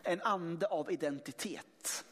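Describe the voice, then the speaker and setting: A man's voice: on the high side, fairly bright tone. A man preaching a sermon, speaking emphatically with many restarts and sudden swells in volume. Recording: long hall reverb.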